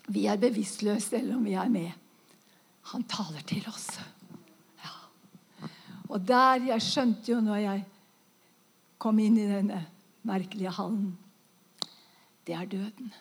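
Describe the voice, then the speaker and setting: A woman giving an emotional faith testimony, dropping to whispers and bursting into loud praise as she tells her story. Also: mid-range voice, steady tone, pauses often, slightly rough. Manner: fervent, exclaims praise often.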